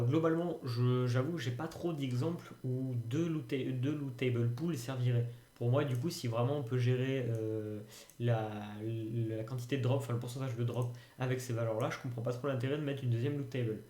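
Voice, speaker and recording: A man's voice: mid-range voice, steady tone, fairly quick, dark tone. A man giving a casual screen-recorded tutorial, thinking aloud with frequent hesitations and fillers. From France. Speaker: tutorial youtuber. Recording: roomy home recording.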